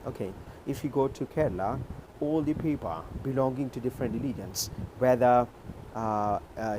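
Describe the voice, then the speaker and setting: A man from Maharashtra with an Indian accent, a native Urdu speaker, tutoring English on a video call in a measured, explanatory way. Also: mid-range voice, warm tone, slight background noise, poor audio. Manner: measured, explanatory, checks in with "okay". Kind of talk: conversation practice on a video call.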